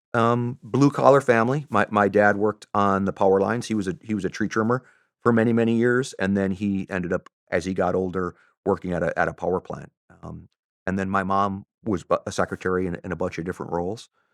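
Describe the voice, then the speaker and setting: Someone with an American accent talks at a very fast pace with ordinary pitch variation, in a dry, close sound with no echo. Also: man, fairly low pitch for a man, quiet background. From US Midwest, Wisconsin. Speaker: retired special forces commander. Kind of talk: interview podcast, life story. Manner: halting, many repetitions and restarts.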